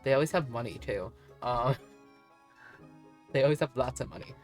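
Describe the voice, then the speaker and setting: Chatting casually while gaming, a woman streamer rambles and laughs frequently over faint background music. She has a bass voice with a darkish tone and speaks at normal speed.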